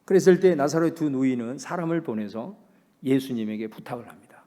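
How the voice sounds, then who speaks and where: A male pastor delivering a dramatic sermon, swinging between loud proclamation and hushed, quiet speech. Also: mid-range voice, brisk, long reverb tail.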